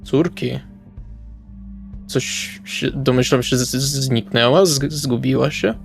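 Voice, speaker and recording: A man's voice: mid-range voice, slow pace, vocal fry, over music. Man acting a courteous, concerned passer-by. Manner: tentative, courteous, stumbling over words. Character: concerned, polite man gently checking on a distressed stranger.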